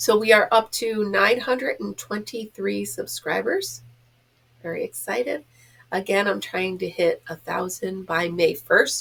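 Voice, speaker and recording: A woman uses a put-on character voice, raspy and quiet. She speaks at a fairly slow pace and medium pitch. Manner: speaking quietly.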